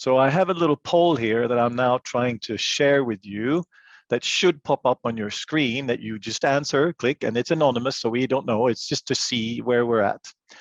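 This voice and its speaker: With a quiet background and a dry, close sound with no echo, a man speaks at a medium pitch. His pace is moderate and his pitch variation ordinary. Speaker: NGO lecturer. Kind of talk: online lecture. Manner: hesitant, many fillers.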